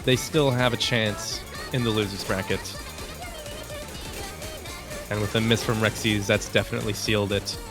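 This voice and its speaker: A man doing play-by-play commentary on a game tournament, relaxed and calling plays in short bursts. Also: fairly low pitch, moderate pace, pauses often. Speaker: esports commentator. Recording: game music playing underneath.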